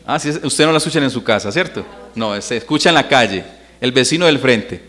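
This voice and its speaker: A man's voice: medium pitch, animated, a little fast, pushed and bright. A man, preaching a Sunday sermon in church and putting questions to the congregation. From Colombia. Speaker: pastor.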